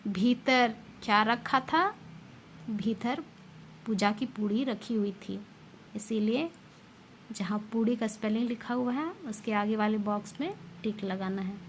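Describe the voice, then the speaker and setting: A woman teacher reading a children's lesson aloud, sounding out each word slowly and clearly for young pupils. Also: on the high side, slight background noise. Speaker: school teacher.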